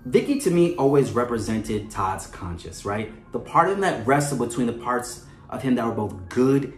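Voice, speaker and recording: A man's voice: medium pitch, expressive, moderate pace. Echoey man giving casual podcast commentary. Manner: conversational, often checks in with "right?". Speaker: podcast host. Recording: echoey room with faint music.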